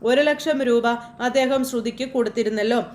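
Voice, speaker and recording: A woman's voice: fairly high pitch, normal speed, a little mellow. Woman, chatty recap narrator, talks straight to the listener, echoey room. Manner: chatty, addresses the listener directly. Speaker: serial episode recapper. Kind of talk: casual spoken story recap.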